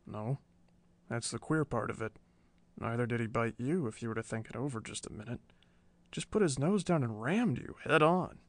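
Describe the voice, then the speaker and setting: A man voicing a steady, dry-witted male newspaper reporter who speaks low and unhurried, in an audiobook reading. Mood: calm. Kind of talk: audiobook character voice.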